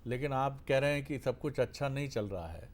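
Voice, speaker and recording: A man's voice: medium pitch, brisk, a little mellow. A man hosting a televised political debate, asking polite formal questions and murmuring assent. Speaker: TV debate host.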